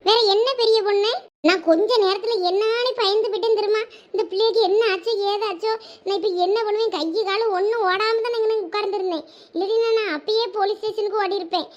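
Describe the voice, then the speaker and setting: Shrill, fast-talking scolding village mother, acted by a woman. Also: steady tone, lo-fi sound. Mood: anxious, complaining. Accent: Thoothukudi Tamil. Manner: scolding, complaining, repetitive. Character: exasperated, anxious village mother fretting over her children. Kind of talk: cartoon village drama dialogue.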